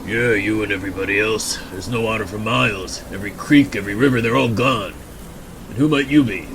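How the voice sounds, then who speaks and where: A man's voice: lowish voice, fairly bright tone, a little hiss or hum. A man playing a suspicious, desperate backwoods drifter with a folksy, accusing manner in an amateur radio drama. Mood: bitter. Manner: folksy, accusing, drawn-out taunting.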